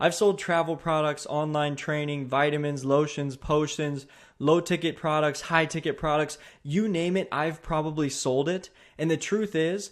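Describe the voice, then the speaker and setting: This man's voice sits fairly high and has ordinary pitch variation. The recording is very clean, with a silent background. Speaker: network marketing recruiter. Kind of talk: sales pitch. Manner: fast; animated.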